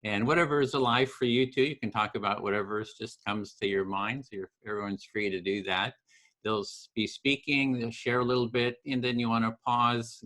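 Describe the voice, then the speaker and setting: A soft-spoken man with a fairly low voice hosts the call. He explains the process gently and keeps pausing with uh and restarting his sentences. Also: low-quality recording. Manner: halting, lots of uh and restarts, gentle. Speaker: host and facilitator. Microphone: video call.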